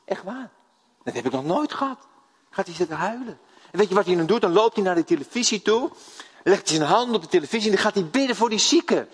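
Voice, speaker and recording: Speaking quickly with a high voice and a breathy edge, an older Dutch man preaches to his congregation from the Netherlands. He tells vivid stories, questions the audience, and the recording carries a long hall reverb.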